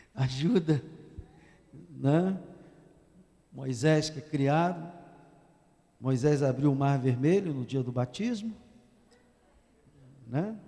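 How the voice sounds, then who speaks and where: A man's voice: mid-range voice, expressive, extremely slow, vocal fry, pauses often, warm tone. A man preaching a sermon as pastor, joking with the congregation and leading call-and-response. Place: church hall. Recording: long church-hall reverb.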